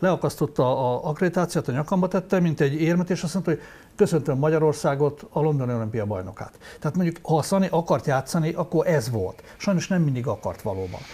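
A man speaks at a very fast pace. His dark, mellow tone has vocal fry. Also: lively intonation. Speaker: sports journalist. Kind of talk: casual chat. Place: studio. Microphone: lapel.

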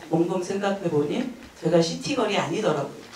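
A woman speaks with lively intonation amid audible room echo and light background noise. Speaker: novelist, book talk guest. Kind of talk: author talk, storytelling lecture. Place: shop.

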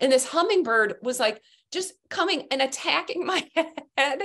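In an American accent, a woman speaks at a moderate pace with very wide pitch swings. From Wisconsin, West Bend; Wisconsin. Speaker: painter and art teacher; art teacher. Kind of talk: interview. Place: home room. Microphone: video call.

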